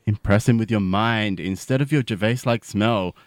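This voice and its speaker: A man's voice: fairly low pitch, moderate pace, dry recording, natural voice. A man playing a melodramatic, catty gay man over thirty in an audio sitcom, theatrical and blunt. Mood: matter-of-fact.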